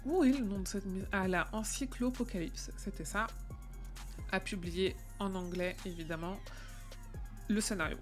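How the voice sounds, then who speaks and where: A woman's voice: medium pitch, moderate pace, faint music behind. A woman hosting a casual live stream, chatting with viewers and using plenty of fillers and restarts.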